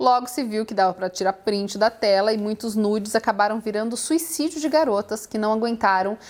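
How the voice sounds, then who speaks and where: Recorded very cleanly over a silent background, a woman uses an ordinary speaking voice at a medium pitch, with ordinary pitch variation. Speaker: YouTuber. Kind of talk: casual vlog talk to camera.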